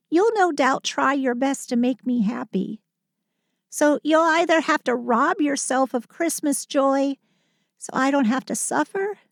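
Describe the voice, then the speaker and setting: A woman plays a sweet, sulky female Christmas elf in an intimate audio roleplay. Her delivery is very slow and close, with a dry sound free of room. She complains with theatrical sarcasm while staying affectionate toward her partner. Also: high voice, vocal fry, dry recording, full character voice. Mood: glum, guilty. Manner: dramatic, sardonic, affectionate venting. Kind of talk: scripted audio roleplay monologue.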